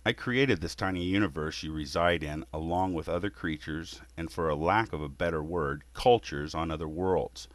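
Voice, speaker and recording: A man voicing a weary creator god in a scripted monologue, lecturing humanity in a scornful, measured way. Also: deep voice, close to an everyday voice.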